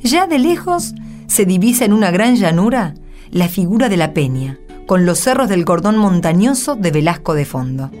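An Argentine woman narrates from a script in a slightly low voice. Her reading is measured and solemn, with soft guitar music behind it. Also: big pitch swings. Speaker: narrator and Gospel reader.

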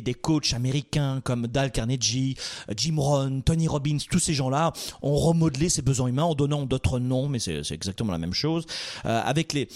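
A man's voice: mid-range voice, a little mellow. A man hosting a motivational call-in show, addressing listeners directly in an emphatic, exhorting style with rhetorical questions.

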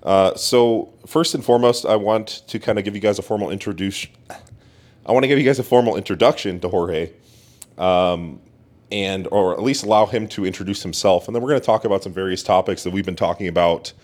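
Deep-voiced man hosting casually. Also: brisk, darkish tone. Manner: loose, filler-heavy questions. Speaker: podcast host. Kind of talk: casual interview. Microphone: camera mic.

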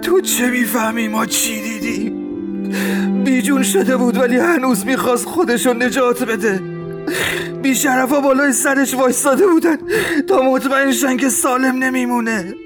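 A man's voice: very high-pitched, over music. An actor playing a shaken village man who anxiously recounts what he saw in an audio drama. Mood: anguished. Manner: anguished, pleading retelling. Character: shaken male village witness, distraught.

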